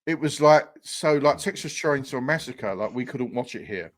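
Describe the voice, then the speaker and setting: A man's voice: mid-range voice, animated, moderate pace, dry recording. A British man chatting casually on a podcast, rambling with lots of likes and restarts as he tells a story. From United Kingdom. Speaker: podcast host. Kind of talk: casual chat. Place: home setup on a livestream.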